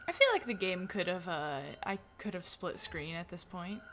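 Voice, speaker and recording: A young woman streamer reading a game's narration aloud with expression and breaking off for quick casual comments. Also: on the low side, expressive, music in the background. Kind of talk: let's play, reading game narration aloud.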